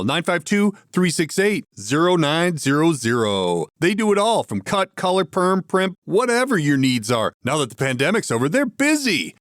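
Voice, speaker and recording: A lively man hosting a podcast, with a slightly high voice that moves around a lot in pitch. He talks casually and likes to joke and tease, in a dry, close-sounding recording. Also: dry recording. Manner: joking, teasing. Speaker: podcast host. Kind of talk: casual interview banter and ad reads.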